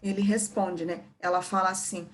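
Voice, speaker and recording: A woman's voice: on the low side, flat delivery, moderate pace, a little hiss or hum. A woman with a Brazilian Portuguese accent teaching an English lesson, patiently repeating words and checking in with her students.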